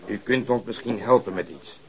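An actor playing a composed, persistent police detective in a radio crime drama, polite, firm and matter-of-fact. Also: male voice, fairly low pitch, moderate pace, background noise, natural voice. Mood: calm, firm.

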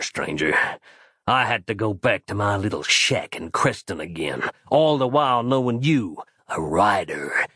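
Male narrator doing a villainous small-town sheriff: low, slow, drawling, contemptuous. Dry close recording. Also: a bit bright, breathy edge, no room sound, heavily acted. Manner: slow drawling folksy speech, scornful. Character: menacing folksy frontier sheriff, middle-aged man. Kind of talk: audio drama character voice.

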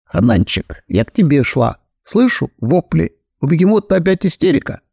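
A man's voice: fairly high pitch, wildly swooping pitch, normal speed, creaky, darkish tone, husky, no room sound, pitched above the performer's own voice, full character voice. Mocking, spiteful young woman with a dry, close sound played by a male reader. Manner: gleeful, mocking. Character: spiteful lame young woman, sharp-tongued.

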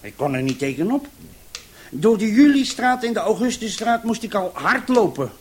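An actor playing a naive young petty thief who rambles earnestly through a fanciful story in a Dutch radio play. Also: male voice, high voice, sing-song, normal speed, husky, exaggerated voice. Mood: wondering. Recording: hissy old radio play recording with clicks.

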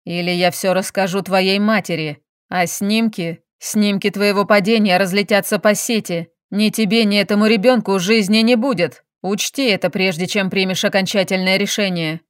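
A woman's voice: medium pitch, steady tone, normal speed, hardly any pauses, dry recording, studio quality, natural voice. A woman reading an audiobook, voicing a young husband who speaks in curt, commanding, menacing lines. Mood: threatening. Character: cold controlling young husband.

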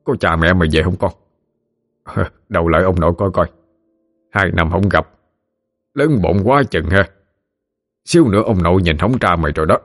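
A man's voice: sits low, normal speed, long pauses. A man voicing an affectionate elderly grandfather's ghost in an audio ghost story. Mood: doting. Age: older.

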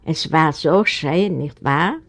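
A woman doing a gruff middle-aged soldier. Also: low voice, slow pace, full character voice. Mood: coaxing. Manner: grumbling, coaxing.

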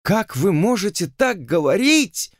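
A man's voice: high-pitched, big pitch swings, a little slow, no room sound, clean studio sound, voice pushed up, heavily acted. A man voicing a young plantation owner's daughter, speaking in a theatrical, pleading and melodramatic way.

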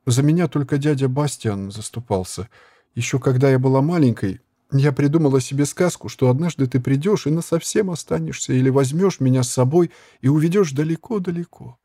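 A man's voice: mid-range voice, dark tone, no room sound, studio quality, voice pushed up, close to an everyday voice. A man voicing a frail, timid young girl who pleads in a raised voice, in an audiobook reading.

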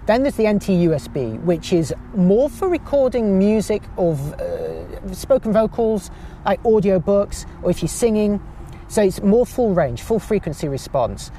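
Man, high tenor voice, chatty podcast guest, self-mocking, light street noise behind. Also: animated, unhurried, warm tone. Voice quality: high-pitched voice. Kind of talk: casual chat.

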